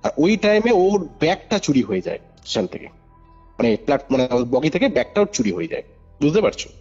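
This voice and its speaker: A man's voice: a little high, very animated, brisk, darkish tone, breathy edge. A man telling a story informally as a caller, emphatic, repeating phrases and checking that the listener follows, over a phone. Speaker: caller recounting a paranormal case. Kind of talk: animated informal spoken storytelling. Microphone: phone call. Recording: muffled phone call recording over music. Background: music.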